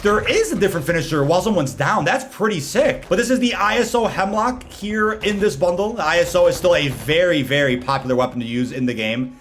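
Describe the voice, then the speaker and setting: A man's voice: high voice, lively intonation, a little fast, hardly any pauses, fairly bright tone, slight background noise. A man hosting a gaming video with casual, slangy gameplay commentary. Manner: slangy, informal.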